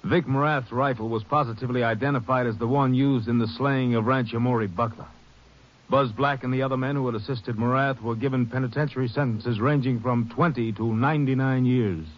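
Man as formal case narrator, mid-pitched, factual, muffled old radio, faint noise. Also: fairly even intonation, fairly quick, natural voice. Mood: solemn, factual. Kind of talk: 1950s radio drama narration.

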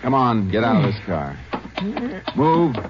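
An actor playing a steady Texas Ranger in a 1950s radio drama, calm and commanding as he gives orders. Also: mid-range voice, a little slow, noisy background. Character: steady male Texas Ranger narrating his case. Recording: muffled old radio broadcast.

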